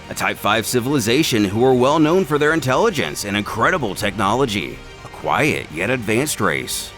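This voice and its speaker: A man's voice: fairly low pitch, a bit bright. A man narrating a scripted story in a dramatic, theatrical and emphatic way, like a host telling an epic tale. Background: background music.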